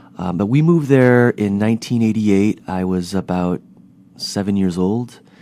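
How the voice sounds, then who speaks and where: A man talks with a Chicago-area accent at a moderate pace. His tone is dark and mellow, and his pitch is fairly low. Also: ordinary pitch variation. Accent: Chicago-area American English. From Chicago suburbs, Illinois, US. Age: 30s. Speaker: lawyer and local election candidate. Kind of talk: radio interview. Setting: radio studio.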